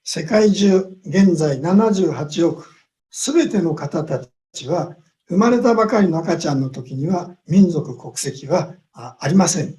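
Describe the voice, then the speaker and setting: A man giving a lecture in short measured phrases, pausing often with long drawn-out fillers so an interpreter can follow, heard over a video call. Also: fairly high pitch, animated, mellow. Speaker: guest speaker.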